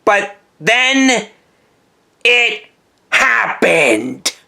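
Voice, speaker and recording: A woman voicing a gloomy, self-blaming young male superhero in an amateur fan film, talking in a halting, rambling way. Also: mid-range voice, very animated, gravelly, pushed and bright, full character voice. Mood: confessional. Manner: mopey, halting, rambling confession.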